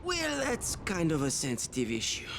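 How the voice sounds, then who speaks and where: A man playing a slippery, excitable black-market peddler in a video game, with a theatrical, wheedling delivery. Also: a little high, normal speed, a little hiss or hum, heavily acted. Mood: evasive, nervous. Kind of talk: video game cutscene dialogue.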